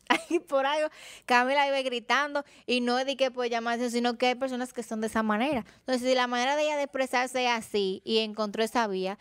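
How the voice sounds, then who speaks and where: A woman co-hosting a studio debate, with a smooth, rather high voice and a dry, close sound. She speaks calmly and with empathy, in a measured pace. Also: no echo. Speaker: co-host of a talk show.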